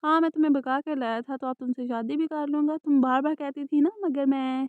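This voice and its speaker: A woman voicing a brooding wealthy man in a romance audiobook, speaking softly and coaxingly. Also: high voice, steady tone, dry recording, natural voice. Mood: tender. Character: brooding wealthy man, gentle yet guilt-torn. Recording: dry, tinny phone-like sound.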